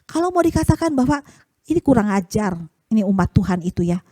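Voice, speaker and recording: A woman's voice: mid-range voice, very animated, brisk, mellow, no echo. A woman preaching a conversational sermon, asking rhetorical tag questions and acting out the prayers and voices she quotes. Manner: chatty, rhetorical tag questions, chuckles often.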